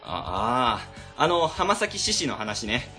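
A man playing an excitable, good-hearted office team leader with an eager manner in an amateur radio drama. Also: medium pitch, slow, faint music behind, full character voice. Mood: relieved, warm. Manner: eager, expressive.

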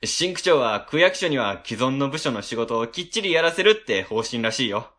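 A man playing a flustered, excitable ward office worker in a radio drama. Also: medium pitch, normal speed. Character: flustered, excitable male civil servant. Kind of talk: amateur web radio drama acting.

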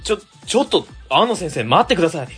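A man's voice: sits high, very animated, fast talker, a bit bright, soft background music. A man playing an earnest young office worker in a radio drama, with a questioning tone. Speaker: ward office staffer. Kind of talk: amateur web radio drama acting.

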